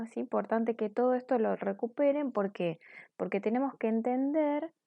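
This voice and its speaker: A woman's voice: mid-range voice, vocal fry, dry recording, lo-fi sound. A woman teacher going over corrected grammar exercises in a patient, explanatory way, often checking in with her students. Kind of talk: recorded class correction lesson.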